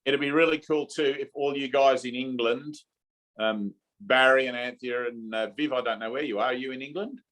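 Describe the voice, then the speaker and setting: A man's voice: medium pitch, moderate pace, a bit bright, poor audio. A man leading an informal spiritual teaching session over a video call, often checking in with his listeners with "okay?" and "right?".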